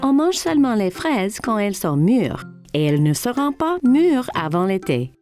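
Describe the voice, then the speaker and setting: A woman's voice: mid-range voice, big pitch swings, normal speed, darkish tone, faint music behind, close to an everyday voice. A woman voicing a patient, encouraging mother who explains things simply in a French-dubbed children's cartoon. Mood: explaining.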